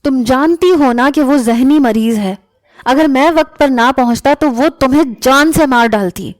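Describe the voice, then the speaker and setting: A woman's voice: high-pitched, dry recording, pitched above the performer's own voice, close to an everyday voice. A woman voicing an angry, protective young man in a storybook reading, stern and scolding.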